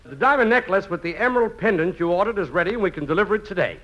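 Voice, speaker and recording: An actor playing a brash, wisecracking jewelry clerk on the telephone in a 1950s radio comedy. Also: male voice, high voice, animated, rapid-fire, dull audio. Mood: brisk, businesslike. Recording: old radio recording with audience.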